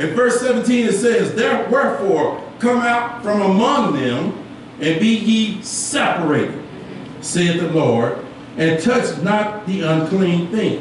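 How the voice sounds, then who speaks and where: A man's high-pitched voice with lively intonation at a very slow pace, in strong room echo over light background noise. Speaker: pastor. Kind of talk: sermon; preacher in full flow, call-and-response with congregation. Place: church.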